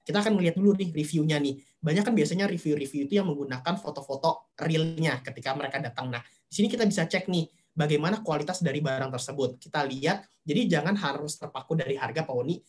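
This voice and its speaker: Higher-voiced man explaining marketplace rules. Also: fast talker. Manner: explanatory, leans on fillers and "nah". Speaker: marketplace company speaker. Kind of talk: webinar presentation.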